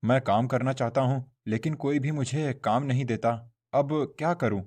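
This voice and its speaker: A man's voice: medium pitch, moderate pace, darkish tone, husky, close to an everyday voice. A man voicing an honest, poor young man in a cartoon, talking earnestly and pleadingly. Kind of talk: Hindi cartoon voice acting.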